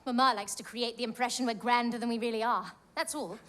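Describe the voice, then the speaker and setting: A woman playing a soft-spoken, polite young lady. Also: a little high, steady tone, fast, lightly acted. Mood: gentle. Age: young adult. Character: polite, gentle young daughter, reserved.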